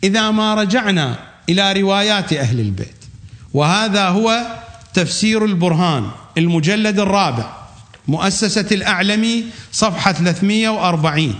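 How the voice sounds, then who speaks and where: A man with a notably high-pitched voice gives a religious lecture. He speaks emphatically, repeats phrases for weight, and recites quoted passages at a slow, deliberate pace. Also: fairly bright tone. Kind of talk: religious lecture on Quranic readings.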